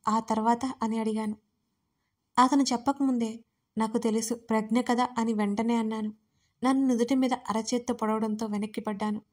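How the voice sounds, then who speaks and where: A woman narrating a first-person romance audio story in an even, matter-of-fact way. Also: fairly high pitch, normal speed.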